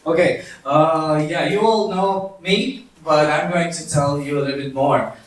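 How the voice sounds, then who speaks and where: A man from Romania walks through his app's tech stack in a slightly higher voice, pausing often on "uh" and "um". The sound is distant and heavily echoing, as in a large hall. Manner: halting, lots of uh and um. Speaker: bootcamp student presenter. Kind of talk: tech presentation. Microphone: distant from the mic. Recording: echoey hall audio from far off.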